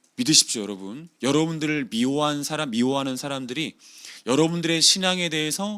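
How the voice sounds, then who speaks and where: A man talks at a fairly quick pace. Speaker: pastor. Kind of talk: sermon. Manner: fast.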